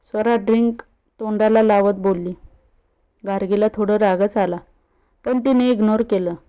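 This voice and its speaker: A woman narrating a love story in an even, unhurried storytelling manner. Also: medium pitch, smooth.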